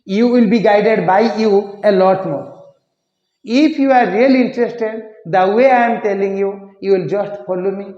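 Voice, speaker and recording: A man with a high voice teaches an English pronunciation class, repeating each word slowly to show how it sounds. The sound is muffled and lo-fi, with a long echo from a large room. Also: warm tone.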